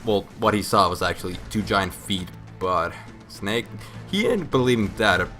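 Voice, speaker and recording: A man's voice: fairly low pitch, lively intonation, moderate pace, pushed and bright, faint music behind. A man sounding drunk, telling a story casually with crude, sarcastic, profane and rambling asides. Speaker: host of a comic video game storyline recap.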